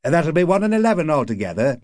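A man's voice: fairly high pitch, big pitch swings, quick pace, darkish tone, no room sound, clean studio sound, voice pushed up. A man voicing a businesslike pub barman in an audiobook, matter-of-fact as he deals with customers. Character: businesslike male pub barman taking orders. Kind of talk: audiobook character acting.

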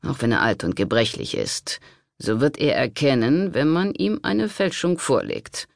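This is a crafty, conspiring monk from a historical audiobook, voiced by a male reader. He talks slowly and smoothly in a gravelly voice. It is recorded close, in a dry space. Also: medium pitch, very animated, dry recording. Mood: cautioning. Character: sly scheming monk, smooth and persuasive.

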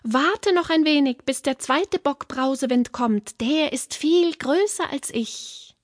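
Tiny scared billy goat put on by a woman, squeaky high little voice, begging, storybook. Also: slow, dry recording, clean studio sound. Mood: pleading. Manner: pleading.

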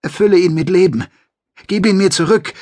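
A man's voice: on the low side, brisk, breathy edge, no echo. A male audiobook narrator voicing an alien mother who pleads and cries out in desperation. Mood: desperate. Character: anguished alien mother, a woman.

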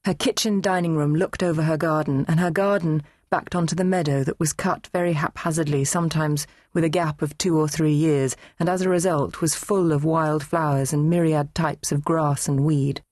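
A woman reading a novel aloud in first person, measured and composed. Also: sits low, fairly even intonation, darkish tone, no echo. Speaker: audiobook narrator. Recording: dry, close studio read.

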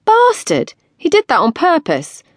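A woman narrator voicing a feisty, quick-tempered woman in her late twenties, with sharp, indignant delivery. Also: lively intonation, no room sound, studio quality, lightly acted. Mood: outraged. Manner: indignant outbursts, shrill when cross.

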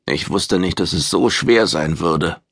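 Man voicing a tense, gravelly gaunt man. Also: low voice, unhurried, no room sound, studio quality, full character voice. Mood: halting recital. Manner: growling, clipped, flat-voiced. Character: tall gaunt man, tense, suppressing anger.

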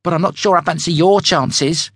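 A man's voice: on the high side, normal speed, a bit bright, dry recording, studio quality, pitched above the performer's own voice. A man voicing a stubborn, whiny young male zebra in a storybook reading, petulant and snappy. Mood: defiant.

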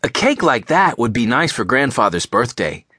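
Storybook casting: calm, sensible teen brother, near the reader's own voice, dry and close, read by a man. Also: mid-range voice, moderate pace, husky, dry recording, exaggerated voice. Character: steady responsible older brother.

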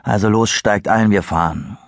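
In a studio-quality recording with no room sound, a man reads an audiobook at normal speed with a natural, lowish voice. He pitches it above his own voice to play a cocky, laid-back young man who likes to tease.

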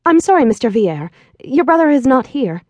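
A woman's voice: sits high, sing-song, moderate pace, darkish tone, no room sound, pitched above the performer's own voice. Woman reading as a spirited, polite young secretary. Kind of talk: audiobook character dialogue.

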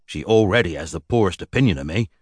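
A man voicing a rough-edged, plain-spoken husband who brooks no argument. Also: low-pitched, expressive, quick pace, dry recording. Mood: blunt. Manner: blunt, gruff, plain-spoken. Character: blunt, rough-edged self-made husband.

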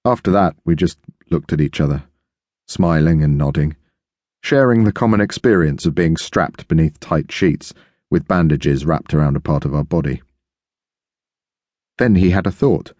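Deep, dry male narrator, steady first-person audiobook reading. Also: no room sound. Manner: measured, steady storytelling.

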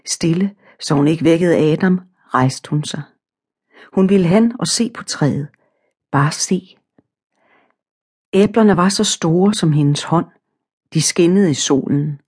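A woman narrating a children's storybook audiobook in a calm, simple, measured way. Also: low voice, slightly rough.

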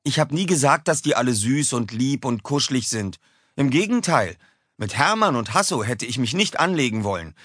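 A man's voice: medium pitch, sing-song, normal speed, fairly bright tone, dry recording, studio quality, pitched above the performer's own voice. A man voicing a young male cat schoolboy who talks earnestly in an audiobook for children. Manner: earnest, eager. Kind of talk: audiobook character voice.

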